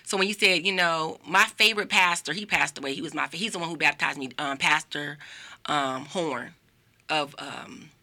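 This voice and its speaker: A woman with a raspy voice, a Christian comedian telling church stories in casual chat. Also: low-pitched, moderate pace. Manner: animated, breaks into laughter, mimics preachers.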